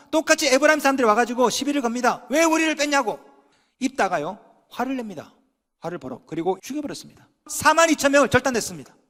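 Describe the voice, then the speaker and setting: A pastor preaching a sermon in an animated way, acting out quoted dialogue and putting questions to the congregation. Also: male voice, extremely high pitch, big-room sound.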